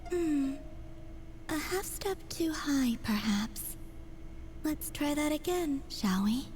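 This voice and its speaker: An actress playing a gentle, musing young woman in a fantasy video game, with a delicate, soft-spoken manner. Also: high-pitched, animated, takes it slowly, a little hiss or hum. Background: game music.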